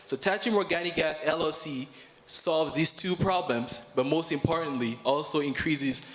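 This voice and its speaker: A man with a Cameroonian accent delivering a prepared business pitch to an audience, with emphatic, repeated phrasing. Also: moderate pace, a bit bright. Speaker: student entrepreneur pitching a business.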